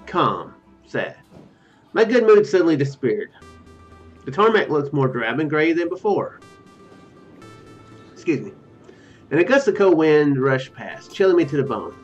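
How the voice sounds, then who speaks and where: A man's voice: fairly high pitch, very animated, a little slow, pauses often. A man in his thirties reading game text aloud as a streamer, breaking off for musing, self-correcting commentary. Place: small room at home, indoors. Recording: dull lo-fi mic, music behind. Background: game music.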